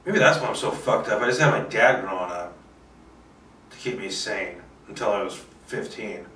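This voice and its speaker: A man's voice: fairly low pitch, normal speed, pushed and bright, a little hiss or hum. A man hosting a solo video, rambling casually in a theatrical, self-mocking, sweary way. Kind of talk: rambling casual monologue to camera. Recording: roomy echo, distant mic, faint music.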